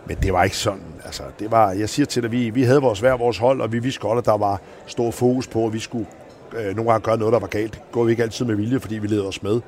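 Tidligere håndboldtræner, en mand, der fortæller levende. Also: male voice, lowish voice. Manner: animated, acts out quoted voices in anecdotes. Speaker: former handball coach. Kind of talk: anecdotal interview storytelling.

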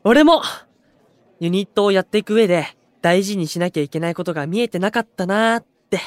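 Casting: a boyish, excitable young idol with a bright, fairly high voice. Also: male voice, fairly quick, no room sound. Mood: excited. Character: energetic slangy young male idol. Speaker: young station-worker idol in a unit. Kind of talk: anime-style voice drama acting.

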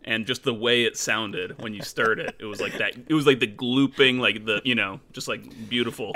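Bright-voiced chatty man. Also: fairly low pitch, normal speed. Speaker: podcast co-host. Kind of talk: casual podcast chat.

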